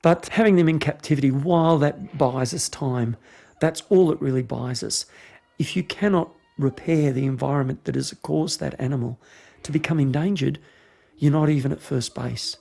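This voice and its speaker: Man, gravelly voice, husky tone, earnest documentary interview, passionate about conservation. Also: fairly high pitch, normal speed, dark tone.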